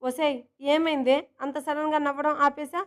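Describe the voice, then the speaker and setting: An affectionate, teasing girlfriend, put on by a woman narrator; high voice, fond and coaxing. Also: fairly even intonation, normal speed, close to an everyday voice. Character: teasing, affectionate young woman friend and coworker.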